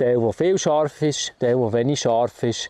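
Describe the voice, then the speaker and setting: The sound is dry and close with no echo as a man speaks with a Swiss accent. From Switzerland. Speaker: photographer. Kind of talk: photography tutorial talk to camera. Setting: outdoors in a forest. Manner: casual, friendly.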